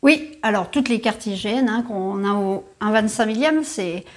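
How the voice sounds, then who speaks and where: Casting: woman, medium pitch, tourist office staffer interviewed, unscripted, halting phrasing. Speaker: tourist office sales manager being interviewed. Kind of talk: unscripted interview, presenting colleagues and local products.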